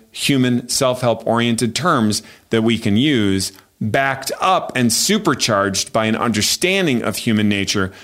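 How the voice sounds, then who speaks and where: A man hosting a Catholic podcast, giving animated, emphatic advice with joking asides. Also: lowish voice. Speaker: host.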